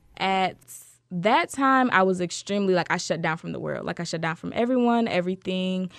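Over a quiet background, a woman with an ordinary speaking voice talks at a moderate pace and medium pitch with ordinary pitch variation. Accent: American. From Michigan, Detroit. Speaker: college student. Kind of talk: roundtable discussion.

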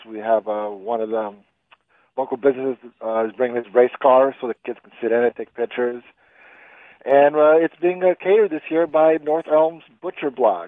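A man's medium-pitched voice, a normal speaking voice, with ordinary pitch variation at a fairly quick pace. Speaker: biker charity organizer. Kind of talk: interview. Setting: phone call.

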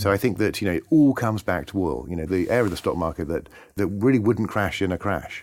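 Lively intonation and a very fast pace mark this speaker with a British accent. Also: man, fairly low pitch for a man. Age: 40s. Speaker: fund manager. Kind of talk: interview.

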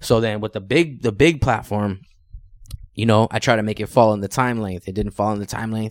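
Speaking fairly quickly in a Southern California accent, a man uses a fairly low pitch with ordinary pitch variation. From Los Angeles area, California. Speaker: battle rap league organizer. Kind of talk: casual chat.

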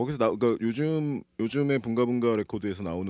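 On a very clean recording with a silent background, a man speaks at a very fast pace with a dark, mellow tone and medium pitch. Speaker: band member. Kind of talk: interview.

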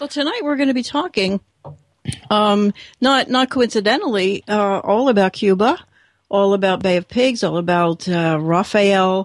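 A normal speaking voice at a moderate pace, with lively intonation and a dry, close sound with no echo. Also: woman, medium pitch for a woman. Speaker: radio co-host. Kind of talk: casual radio chat.

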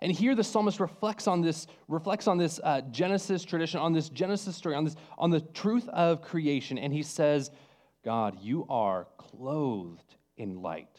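A man with an American accent has an unremarkable speaking voice, fairly high in pitch, with lively intonation at a moderate pace. The recording is very clean, with a silent background. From California. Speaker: preacher. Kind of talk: sermon. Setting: church.

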